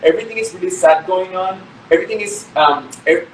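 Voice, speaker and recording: A man's voice: high-pitched, a little fast, a little hiss or hum. Earnest young man, echoey call. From Venezuela. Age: 20s. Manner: earnest, searching for words with fillers. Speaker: guest, pageant winner. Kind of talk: casual interview answers. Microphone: video call.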